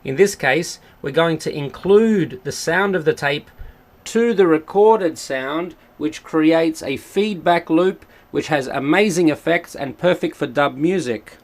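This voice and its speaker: A man's voice: a little high, unhurried. A man presenting a casual, hands-on tutorial, explaining things informally step by step. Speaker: presenter of an audio gear tutorial. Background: electronic music beat playing.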